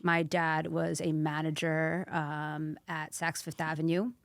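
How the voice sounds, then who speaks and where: A woman with a New York accent, a native Croatian speaker, telling stories in a lively, brash way as a podcast guest. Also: low voice, slow, dry recording. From Astoria, Queens, New York. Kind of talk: casual interview chat.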